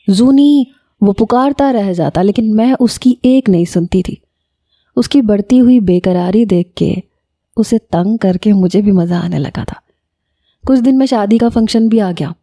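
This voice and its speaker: Dark-voiced woman narrating a romance story. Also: medium pitch. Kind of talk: first-person romance narration.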